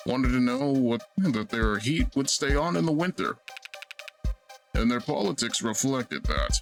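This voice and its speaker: A man puts on a character voice at a medium pitch. He speaks at a moderate pace over faint background music. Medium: virtual streamer. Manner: dry, understated.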